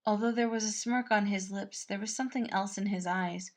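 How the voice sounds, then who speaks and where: A woman reading a scripted story aloud as narrator, expressive and measured. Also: medium pitch. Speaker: fan-fiction podfic reader.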